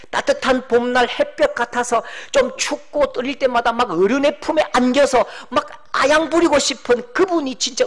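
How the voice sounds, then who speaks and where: A middle-aged pastor preaching a sermon, animated, acting out quoted voices and shouting for emphasis. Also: male voice, very high voice.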